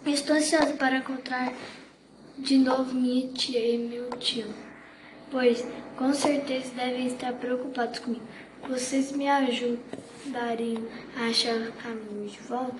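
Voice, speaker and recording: A woman's voice: high-pitched, steady tone, unhurried, distant mic. A woman voicing a curious, polite young farm girl, reading plainly with small halts, in an echoey room with background noise. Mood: pleading.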